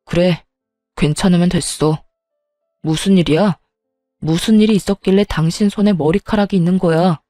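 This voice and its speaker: A woman's voice: normal speed, dark tone, faint music behind, lightly acted. A woman voicing a protective husband who confronts his mother firmly and angrily in a told story. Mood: gentle. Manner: low, firm, angry confrontation. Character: protective husband, man in 30s, stern and furious.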